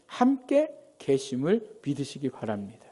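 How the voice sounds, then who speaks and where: A middle-aged male pastor preaching a sermon in a lively way, often asking the congregation questions. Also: medium pitch, measured pace, husky.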